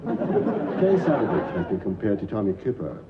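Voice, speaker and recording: Brief: dry deadpan stand-up, lively pitch, distant and muffled with crowd. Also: male voice, normal speed, very noisy. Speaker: stand-up comedian. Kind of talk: deadpan stand-up one-liners. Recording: distant muffled TV audio with audience.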